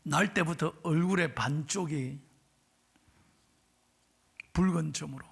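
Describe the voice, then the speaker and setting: A middle-aged male pastor telling a story in a sermon, swinging from hushed whispers to loud exhortation. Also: fairly high pitch, slow pace, vocal fry, slightly rough.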